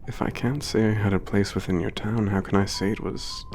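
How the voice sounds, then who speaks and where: A man plays a gentle, melancholy giant who speaks in a low, gravelly voice. His words are formal and reflective, and he often drops to a whisper. Soft music plays faintly behind him. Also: steady tone, a little fast, lightly acted. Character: gentle, melancholy giant protector, older-sounding. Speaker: narrator of letters home. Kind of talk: ASMR audio drama narration.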